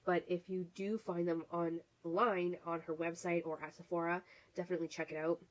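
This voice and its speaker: A woman's voice: on the low side, little pitch movement, moderate pace, rough recording. A woman vlogger chatting casually through makeup reviews, full of fillers and restarts, while getting over a cold. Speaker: beauty vlogger.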